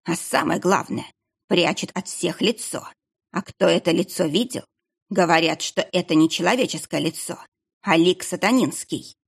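A woman's voice: on the low side, moderate pace, gravelly, slightly rough. A woman voicing a frightened, superstitious archer who whispers his fears. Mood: fearful whisper. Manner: whispering, fearful.

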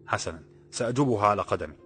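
A man's voice: on the low side, expressive, racing, a bit bright, faint music behind. A man voicing a bold young man who bluffs his way forward with self-assured, commanding speech. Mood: determined.

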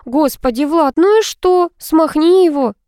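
Woman voicing a whiny, jittery young girl for an audiobook; raised pitch, dry sound. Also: expressive, a little slow, a little mellow, no room sound. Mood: panicky. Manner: anxious, whiny. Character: fussy panicky young female student.

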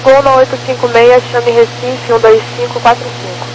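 A woman's voice: on the high side, flat delivery, moderate pace, faint music behind. A woman working as an air traffic controller, giving clipped instructions over a walkie-talkie style radio. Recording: noisy radio with hum.

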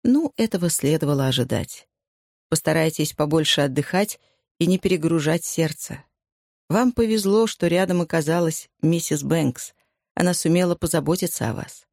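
A woman reading the part of a lonely, courteous German-born eye surgeon, speaking with a German accent in a measured, wry way. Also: low voice, darkish tone, no echo, studio quality. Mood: caring.

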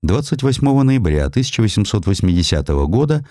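A man narrating historical prose as an audiobook reader, in an expressive, theatrical storytelling manner. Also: lowish voice, fast, no echo, clean studio sound.

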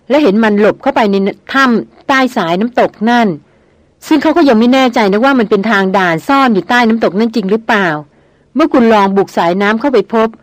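Woman voicing a soft-spoken young noblewoman. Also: a little high, no echo, close to an everyday voice. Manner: soft, sweet, pleading. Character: gentle, soothing young noblewoman. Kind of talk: audiobook reading of a novel.

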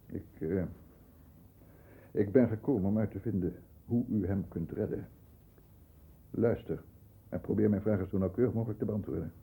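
A composed, formal lawyer in a sixties Dutch radio drama, with a low voice and very dark, soft-edged tone. He speaks measured Netherlands Dutch with deliberate care, and the sound is clean-toned and resonant. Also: creaky, breathy edge. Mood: controlled, probing. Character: composed middle-class lawyer, protective older brother, narrating. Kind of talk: 1960s Dutch radio play, first-person narration and dialogue.

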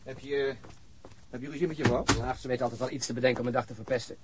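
An actor playing a sardonic police detective who has quit smoking and makes dry, sarcastic jokes. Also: male voice, mid-range voice, fairly even intonation, fast talker, background noise, lightly acted. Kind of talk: radio drama acting.

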